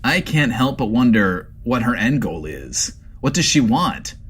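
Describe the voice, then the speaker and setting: A man's voice: mid-range voice, sing-song, unhurried, fairly bright tone, a little hiss or hum. A man playing an anxious, rambling host of a post-apocalyptic comedy variety webshow, theatrical and hesitant in delivery. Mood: puzzled, indignant. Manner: theatrical, hesitant, self-referring.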